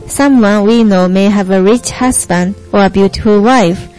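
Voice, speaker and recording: In a roughly recorded clip with music underneath, a young Japanese woman speaks in a natural, mid-range, darkish voice at a moderate pace. She's performing the part of an earnest American Christian panelist in a scripted student play, sounding earnest and measured.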